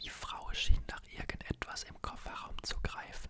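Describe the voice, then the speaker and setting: Whispering, a man goes at a fairly slow pace. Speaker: ASMR true crime narrator. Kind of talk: ASMR true crime narration. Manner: whispered. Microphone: studio mic.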